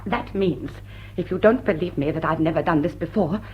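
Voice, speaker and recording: A woman's voice: fairly low pitch, fairly quick, breathy edge, muffled recording. A woman acting a poised, defiant society jewel thief in classic stage drama, with an arch, theatrical manner. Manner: arch, theatrical, sharp-tongued.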